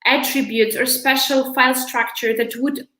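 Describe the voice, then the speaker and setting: A woman's voice: high voice, fairly even intonation, normal speed, bright, forceful tone. Chatty woman on a roomy video call. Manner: chatty, many fillers like "you know". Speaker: presenter from a localization company. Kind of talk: live demo and Q&A on a video call. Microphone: video call webcam.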